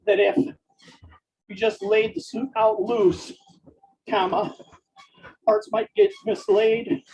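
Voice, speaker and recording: A person dictating story prose aloud in short, halting phrases and speaking each punctuation mark, with a husky, gravelly voice. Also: medium pitch, a little mellow, poor audio.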